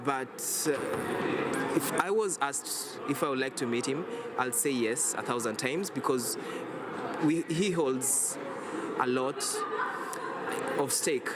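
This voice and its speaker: A man's voice: mid-range voice, takes it slowly. A young man from Kenya, a student climate activist, speaking earnestly in a street interview. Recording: loud noise behind, outdoors.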